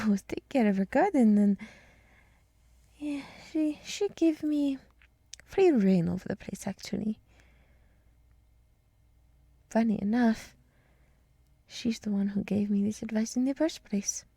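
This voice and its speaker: A woman playing a gentle, earnest deer woman in an ASMR roleplay, speaking in a soft, breathy, mostly whispered voice with an encouraging, rambling manner. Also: a little high, lively intonation, a little slow, dry recording, full character voice. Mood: sleepy, rambling.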